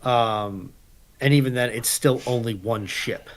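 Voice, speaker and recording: A man's voice: medium pitch, a little slow. A man on a panel in casual debate, pressing his objections point by point.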